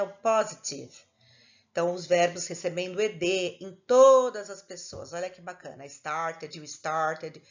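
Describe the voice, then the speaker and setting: A woman's voice: medium pitch, dull audio. A woman teaching a recorded lesson, explaining patiently step by step and checking in with her students. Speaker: English teacher.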